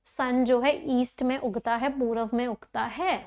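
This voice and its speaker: A woman's voice: fairly high pitch, fairly even intonation, a little slow, a little mellow. A woman teaching an English grammar class, explaining step by step, repeating key points and checking whether the students follow.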